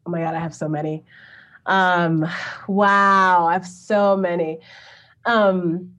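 A woman's voice: fairly low pitch, fairly even intonation, slow, a bit bright. A woman with a big voice, a singer chatting in an interview, hesitant with many fillers and laughs, a little sick. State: sick, not warmed up. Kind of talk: casual interview chat.

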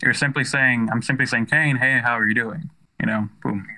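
Bright-voiced American man explaining with enthusiasm. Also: medium pitch, steady tone, moderate pace, rough recording. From United States. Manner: enthusiastic, emphatic, peppered with "you know". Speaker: tech startup founder, interview guest. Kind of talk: casual, explanatory interview talk.

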